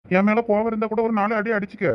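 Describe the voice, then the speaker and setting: Fast, high man playing a caring husband. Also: flat delivery, lo-fi sound, lightly acted. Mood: worried. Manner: coaxing, affectionate, teasing. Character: caring young husband, a supervisor. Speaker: actor in a village family skit. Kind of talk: village comedy-drama acting.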